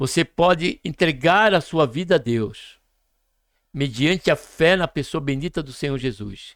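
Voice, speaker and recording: Someone speaks in a plain, everyday voice at a fairly slow pace with lively intonation. The recording is very clean with a silent background. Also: man, fairly high pitch for a man, dry, close sound with no echo. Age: 60s. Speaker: Bible teacher. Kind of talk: sermon-style Bible lesson.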